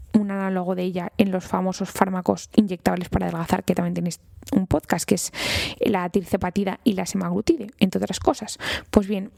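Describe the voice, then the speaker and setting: A woman doctor with a Spain Spanish accent hosts an informal health podcast. Her voice has a gravelly edge and a mellow, dark tone, and the sound is dry and close. She talks in an eager, chatty way, speaking straight to her listeners. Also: medium pitch, dry recording. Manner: enthusiastic and chatty, addresses listeners directly. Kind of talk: informal educational podcast talk.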